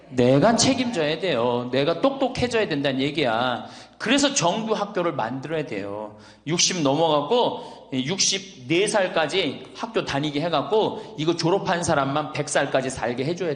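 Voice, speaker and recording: Middle-aged male priest, high lively delivery, playful lecture, long hall reverb. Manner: lively, teasing, rhetorical questions to the audience. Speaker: Catholic priest giving a lecture. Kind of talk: humorous lecture to elderly audience.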